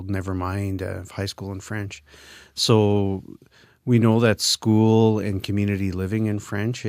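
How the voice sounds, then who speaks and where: A man in his fifties from Manitoba, a former French immersion teacher, answering radio interview questions in an earnest, halting way with many filler sounds. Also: on the low side, creaky, a little mellow, no room sound, studio quality. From Manitoba, Canada.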